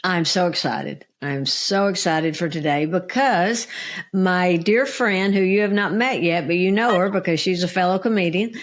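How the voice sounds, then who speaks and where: A woman comedian co-hosting a podcast, gushing about her friend with many halting uhs. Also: fairly low pitch. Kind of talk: casual podcast chat.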